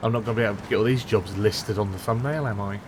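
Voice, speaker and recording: A man in his thirties talks through a game in an easy, chatty way, with a slightly low voice. He chuckles often between remarks, and his voice sounds a little strained and worn. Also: quick pace, background noise. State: voice strained, close to losing it. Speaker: gameplay commentator. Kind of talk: casual let's-play commentary.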